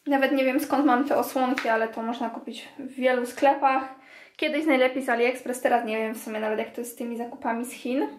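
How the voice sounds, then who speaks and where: Talking fast with fairly even intonation, a young beauty vlogger addresses her "girls" while cleaning her home bathroom and washing makeup brushes. Her slightly high voice fills an echoey room with slight background noise in this casual clean-with-me vlog.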